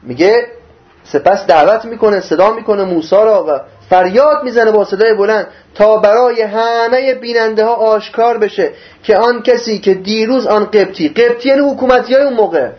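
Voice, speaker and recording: Man, high-pitched voice, religious lesson, reads arabic then explains, rhetorical questions, muffled lo-fi recording. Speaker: religious teacher. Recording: dull lo-fi recording.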